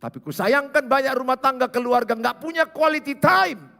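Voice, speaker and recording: A male pastor preaching a sermon in a church, animated and speaking straight to his listeners. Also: extremely high pitch, moderate pace, creaky, faint music behind. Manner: animated, acts out scenes, speaks to the listener directly.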